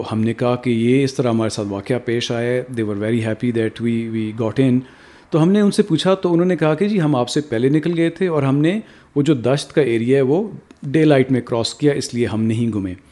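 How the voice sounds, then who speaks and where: A man speaks at a medium pitch with a dark, mellow tone. His intonation is lively. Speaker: radio show host. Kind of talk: casual radio talk and storytelling. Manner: halting, self-correcting.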